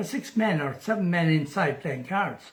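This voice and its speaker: A man with an Irish Midlands accent speaks at a fairly slow pace. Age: 80s+. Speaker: interviewee on anniversary. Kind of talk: casual interview, storytelling. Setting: at home.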